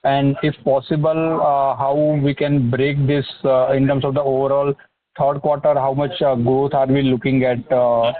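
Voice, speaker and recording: A man with an Indian accent, a financial analyst asking questions on an earnings call in a halting, repetitive way. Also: medium pitch, little pitch movement. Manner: halting, hesitant, repetitive phrasing. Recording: narrow phone-line sound.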